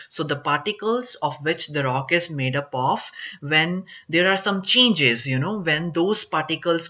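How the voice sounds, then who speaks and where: Reading-class tutor; bright tone, loose rambling explanations, dull low-fidelity recording. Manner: repetitive, paraphrases text with fillers. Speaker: teacher. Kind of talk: explaining a reading exam passage.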